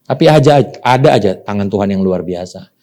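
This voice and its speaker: A male pastor from Indonesia preaching a lively sermon, often turning to address the congregation directly. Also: lowish voice, fairly quick. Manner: animated preaching, calls to the congregation.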